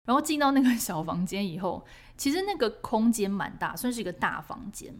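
Animated Taiwanese woman telling a story. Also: mid-range voice, a little fast. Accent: Taiwanese Mandarin. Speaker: podcast host. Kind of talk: storytelling podcast.

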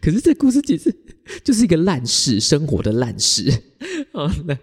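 A man's voice: fairly high pitch, normal speed, breathy edge. A man, hosting a podcast and telling a story in casual chat, often laughing. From Taiwan. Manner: animated, laughs often, acts out quoted arguments. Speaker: podcast host. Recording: echoey room with long reverb.

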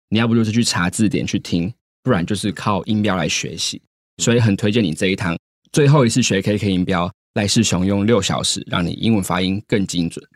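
Male host, brisk segment guide, rapid delivery, dry close mic. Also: on the low side, dry recording. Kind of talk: show hosting.

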